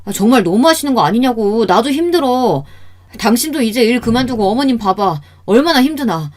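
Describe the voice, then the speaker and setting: A woman's voice: medium pitch, animated, normal speed, warm tone, husky. A woman voicing a frustrated middle-aged son-in-law who complains with sighing "ah"s. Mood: complaining. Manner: exasperated pleading, sighing "ah" before complaints.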